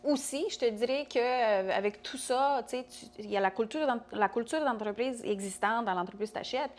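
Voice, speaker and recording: A woman's voice: a little high, normal speed. A young woman who speaks French with a non-native accent, chatting as a podcast guest with frequent restarts and fillers. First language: not French. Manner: hesitant, many restarts and fillers. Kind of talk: casual conversation.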